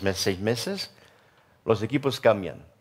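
A man with a French accent speaks at a fairly low pitch. His intonation is lively. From French Basque Country. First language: French (speaking Spanish). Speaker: tech sales manager; conference presenter. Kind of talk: conference talk. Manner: halting, many fillers and repetitions. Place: stage.

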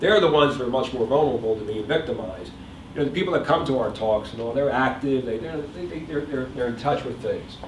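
The man talks at a very fast pace with ordinary pitch variation. Audible room echo and light background noise surround him. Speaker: criminal investigator; speaker. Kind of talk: presentation. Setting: stage with audience. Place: classroom. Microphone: camera far.

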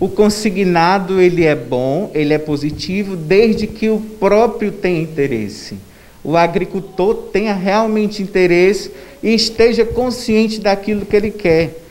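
Speaking at a fairly slow pace, a man uses a high pitch with ordinary variation. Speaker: municipal agriculture official. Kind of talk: interview. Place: hall. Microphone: handheld.

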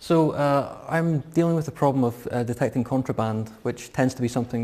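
This man talks at a fairly quick pace. His intonation stays fairly even. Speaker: researcher; presenter. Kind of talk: conference talk. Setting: lecture room with audience. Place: classroom.

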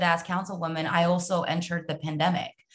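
Somewhat breathy speech in an American accent, flat and monotone at a fairly quick pace. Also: woman. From Sacramento, California; California. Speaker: city council member. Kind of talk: interview. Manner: fast. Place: home room. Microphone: webcam.

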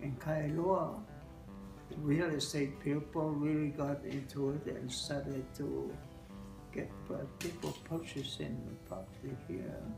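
A man's fairly high voice at a fairly slow pace, with ordinary pitch variation and clear music in the background. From Hawaii. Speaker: war veteran. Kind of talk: interview answer. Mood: warm reminiscing. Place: home room. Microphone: phone near.

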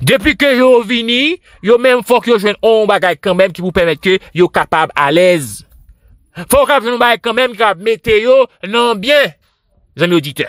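A man speaks with a high pitch and lively intonation. The recording is very clean, with a silent background. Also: moderate pace, dry, close sound with no echo. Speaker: news channel narrator. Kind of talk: news commentary. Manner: hesitant, many fillers.

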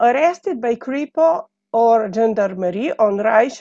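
Lively intonation in a dark, mellow tone, over a quiet background. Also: woman. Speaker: anthropology professor. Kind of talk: panel presentation. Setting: video call. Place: home room. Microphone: earbuds.

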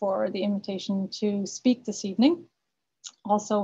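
A woman talks with fairly even intonation in a somewhat breathy voice. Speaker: guest architect lecturer. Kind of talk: lecture. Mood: warm, grateful. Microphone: video call.

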